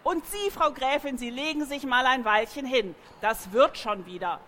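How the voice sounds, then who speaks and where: A woman voicing a big, calm, kindly old white gelding in a storybook, grumbling slowly and reassuringly. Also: high voice, a little hiss or hum. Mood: soothing.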